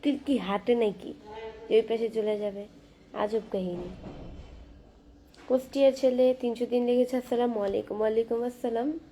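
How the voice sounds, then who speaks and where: A young woman hosting a casual live stream from her phone, reading viewer comments aloud and chatting back in a soft, quiet voice. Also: a little high, slight background noise. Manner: soft-spoken, talking quietly and slowly. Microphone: phone camera.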